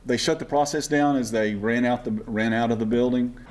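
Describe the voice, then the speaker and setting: A man speaking off script as an official spokesman, in a halting manner. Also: medium pitch, steady tone, slight background noise. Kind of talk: unscripted interview soundbite.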